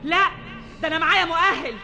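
An actress playing a wounded, defiant wife in a marriage quarrel in a radio drama, speaking indignantly with an Egyptian accent. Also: female voice, very high-pitched, quick pace, music in the background. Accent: Egyptian Arabic.

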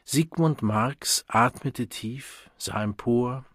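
A man with a husky voice narrating an audiobook in a measured reading manner. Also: medium pitch, a bit bright, no echo, studio quality.

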